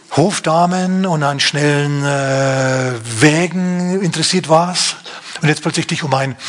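A man's voice: a little high, a bit bright, slightly rough. A middle-aged man preaching a sermon at a church service, telling a story with animation and acting out the characters' lines. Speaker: pastor.

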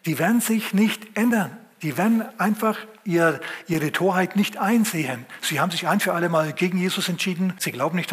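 A man preaching a sermon, retelling a scripture story vividly with dramatic pauses and acted-out quotes. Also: on the high side, a bit bright, slightly rough.

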